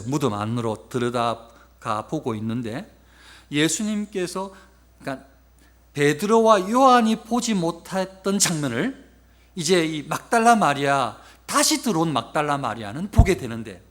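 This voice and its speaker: A man's voice: on the high side, fairly bright tone. A man preaching a sermon as a pastor, retelling a Bible story and acting out the quoted lines with rising emotion. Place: church sanctuary.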